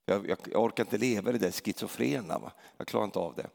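A middle-aged man preaching a sermon in a chatty storytelling way, often tagging a questioning "va?" onto his lines and building to loud, emphatic peaks. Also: vocal fry. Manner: hesitant restarts, grows loud and emphatic at high points. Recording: long reverb of a large hall.

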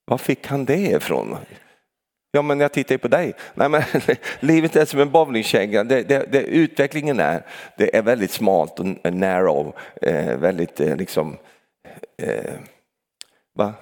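An older man gives a chatty sermon in an animated, swinging voice that rises and falls a lot. He keeps tossing out little questioning tags for agreement and laughs easily. His voice carries a long reverb, as if from a church hall. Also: fairly low pitch. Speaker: preacher. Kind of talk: conversational sermon.

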